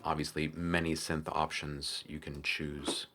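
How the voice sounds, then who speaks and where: Man, low-pitched voice, tutorial host, casual and hesitant explanation, filler-heavy. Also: little pitch movement, a little slow, over loud music. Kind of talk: casual screen-recorded software tutorial.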